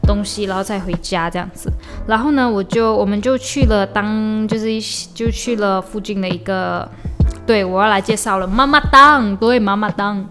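A woman's voice: medium pitch, normal speed, over music. A young woman from Malaysia, telling stories in a chatty, casual podcast diary, often restarting and mixing in English. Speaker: podcast host. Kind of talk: casual diary-style storytelling. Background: faint lo-fi beat.

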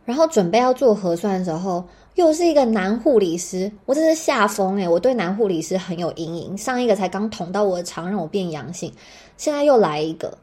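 A young woman podcast host with a Taiwanese Mandarin accent tells a personal story in an animated, dramatic style, swearing casually along the way. Her voice is medium-pitched, brisk and husky.

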